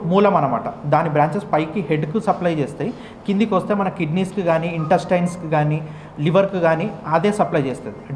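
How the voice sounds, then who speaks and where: Man explaining his dad's condition to a reporter, echoey room, faint hum. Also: fairly high pitch. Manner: explanatory, uneven pace, restarts. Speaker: interviewee, son of patient.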